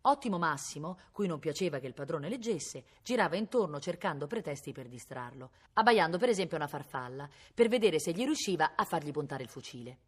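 A woman reading a novel aloud at a public library in an expressive, dramatic storytelling manner. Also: low-pitched, a little fast, few pauses, breathy edge. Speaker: reader.

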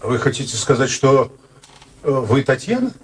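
Actor as brash, animated middle-aged visitor. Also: male voice, mid-range voice, slight background noise, close to an everyday voice. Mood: brisk, puzzled. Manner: halting, wordy, familiar, mock-formal. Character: brash, grumbling middle-aged male visitor, awkwardly courteous. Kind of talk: radio play acting.

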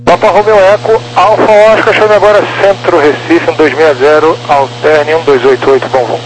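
A man's voice: a little high, fairly even intonation, moderate pace. A man speaking in clipped air traffic phrases over an aviation radio. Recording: noisy crackly radio transmission with hum.

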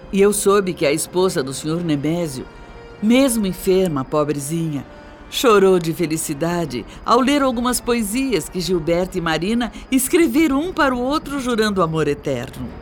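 A woman acting a shrewd, middle-aged Brazilian wife and mother in a radio soap opera, earnest and emphatic in her persuasion. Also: fairly low pitch. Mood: sentimental, persuasive.

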